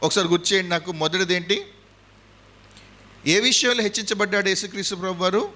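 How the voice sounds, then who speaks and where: A man's voice: sits high, fairly even intonation, fast, pushed and bright. A man with a Telugu accent, preaching a sermon with emphatic repetition and questions to the congregation. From India. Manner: emphatic preaching, repeats points and quizzes the audience. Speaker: pastor.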